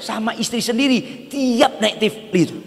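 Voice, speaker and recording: An older man, a pastor, preaching with humor and telling a self-mocking story about his marriage, swinging from loud outbursts to hushed asides. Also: very high-pitched, moderate pace, gravelly. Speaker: pastor and theology lecturer. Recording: long hall reverb, faint music.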